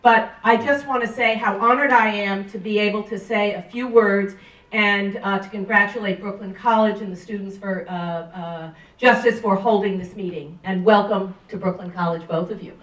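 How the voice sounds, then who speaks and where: A woman's voice: mid-range voice, fairly even intonation, normal speed. Woman, middle-aged, passionate campus speaker, handheld mic; distant, roomy sound. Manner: loud, emphatic, listing with rising stress. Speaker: professor reading a statement. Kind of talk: public speech at a campus event. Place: large lecture room. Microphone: handheld mic, far camera. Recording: roomy hall from far off.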